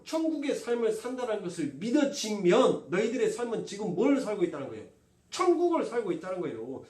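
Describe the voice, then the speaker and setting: A man preaching a sermon, asking the congregation questions and answering them himself. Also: sits high. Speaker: pastor. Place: church sanctuary. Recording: roomy church from a distance.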